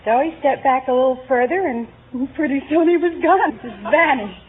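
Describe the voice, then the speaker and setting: A woman's voice: sits high, a little fast. A woman from New York, a quiz show contestant, telling a story with amused giggles. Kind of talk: telling an anecdote. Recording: lo-fi 1950s broadcast audio.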